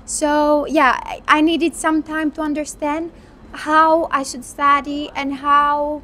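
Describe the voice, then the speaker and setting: A young Greek woman with a high, light voice answers questions in a thoughtful, unhurried way, sometimes restarting a phrase. A faint outdoor hum sits behind her. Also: level tone, bright, forceful tone. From Greece. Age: 20s. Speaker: medical student. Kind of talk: interview.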